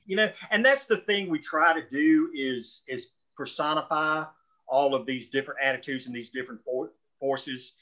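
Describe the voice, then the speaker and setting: On a group video or phone call, a man rambles casually and emphatically through his opinions, swearing now and then. His voice is mid-range, bright and forceful, and the call audio sounds dull and lo-fi.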